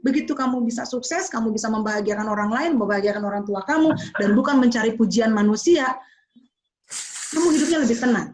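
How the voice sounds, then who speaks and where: A woman giving a motivational talk to students, expressive and slipping into English phrases. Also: fairly high pitch, quick pace, slight background noise, rough recording. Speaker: motivational speaker.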